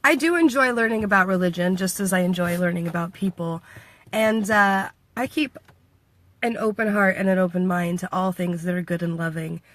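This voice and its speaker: A woman's voice: on the low side, moderate pace, fairly bright tone. A woman from the United States chatting playfully in a casual vlog, laughing often and acting out what others said. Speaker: vlogger. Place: Washington State.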